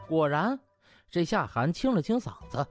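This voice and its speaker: Male narrator for a comic web novel, very animated delivery over music. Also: fairly high pitch, normal speed. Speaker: audiobook narrator. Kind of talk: lively comic storytelling.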